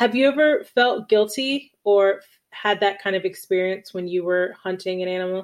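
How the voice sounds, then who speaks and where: A plain, everyday voice from a woman at medium pitch, with ordinary pitch variation and a moderate pace. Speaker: podcast co-host. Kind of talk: casual chat. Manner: laughs often.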